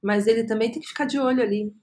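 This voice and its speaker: Brazilian woman in her 30s on a podcast, earnest, tells stories, lots of "é" pauses. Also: on the high side, a little mellow. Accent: Brazilian Portuguese. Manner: earnest, storytelling, frequent "é" fillers. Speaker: guest, agency co-founder. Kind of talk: reflective podcast interview.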